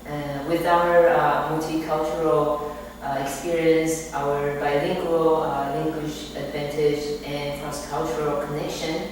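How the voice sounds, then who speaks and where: A woman from Taiwan in her thirties, answering interview questions in a measured, thoughtful way, with many filler sounds. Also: low voice, little pitch movement. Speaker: interviewee, artist. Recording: echoey room, mic far off, some noise.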